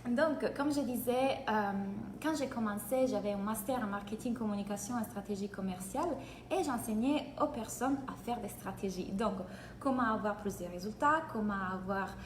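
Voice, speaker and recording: A woman from Italy with an Italian accent, giving an energetic live-streamed coaching session in French and greeting viewers by name. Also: mid-range voice, normal speed, noisy background. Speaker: business coach. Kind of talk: live-streamed free training. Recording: echoey room, faint ambience.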